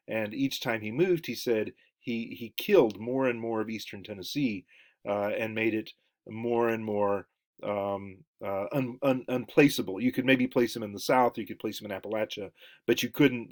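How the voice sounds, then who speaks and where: A man giving a lecture, halting with many fillers and restarts. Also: lowish voice. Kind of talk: recorded lecture.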